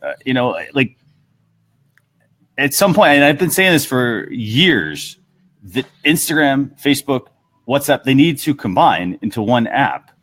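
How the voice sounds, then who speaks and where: A man's voice: medium pitch, big pitch swings, measured pace, a bit bright. A man co-hosting a casual panel discussion, explaining his view with some hesitant starts. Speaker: talk show co-host.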